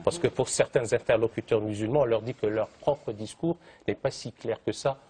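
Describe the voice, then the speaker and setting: A man's voice: fairly low pitch, moderate pace, warm tone, a little hiss or hum. A man speaking as a guest in a televised debate, eloquent and fond of long, elaborate phrasing. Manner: eloquent, elaborate vocabulary, piles up synonyms.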